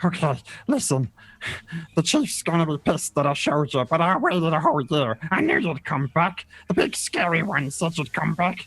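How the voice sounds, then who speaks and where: A put-on character voice at a middle pitch delivers its lines at a moderate pace. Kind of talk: comic fantasy character voice. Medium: actual play. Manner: fast, excited, rambling.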